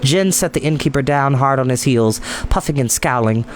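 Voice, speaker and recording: A man reading a story aloud as host, with expressive narration. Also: medium pitch, moderate pace, faint music behind.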